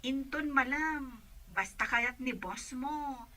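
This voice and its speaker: A woman's voice: high-pitched, slow, sharp tone, full character voice. A woman playing the caregiver's eager female friend in an Ilocano audio drama. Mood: hopeful.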